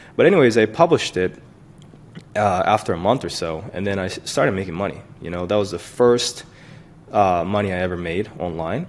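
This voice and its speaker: With a non-native accent, a man speaks at a fairly quick pace and a fairly low pitch. He leaves long, frequent pauses, and his pitch variation is ordinary. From grew up abroad, moved to Hawaii at fourteen. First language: not English. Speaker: self-publishing entrepreneur. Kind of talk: interview. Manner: casual, many fillers.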